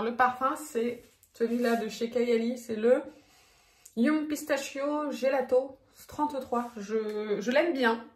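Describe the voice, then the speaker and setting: A woman with a slightly high voice chats casually as a beauty vlogger, filling her talk with little fillers and laughs. Her voice rings in an echoey room at home, with faint background noise. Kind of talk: casual vlog chat.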